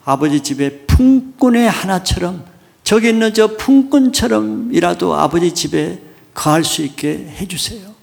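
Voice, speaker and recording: A man preaching who voices a remorseful young son begging his father's forgiveness in a slow, soft, lowered voice. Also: expressive, gravelly, exaggerated voice. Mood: pleading.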